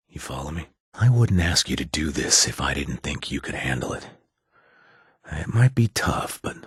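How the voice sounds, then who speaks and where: A man's voice: a bass voice, a bit bright, husky, no room sound, clean studio sound, full character voice. An actor playing a wry adult male bartender and former gang member, joking and conspiratorial, in video game voice lines. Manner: joking and conspiratorial, laughs often.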